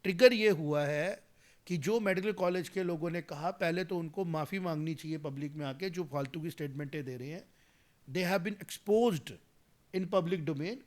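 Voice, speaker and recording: With a fairly high pitch and normal speed, a man in his 40s appears as a guest commentator. He argues politics emphatically in an interview, dropping English phrases into his speech and growing heated as he goes.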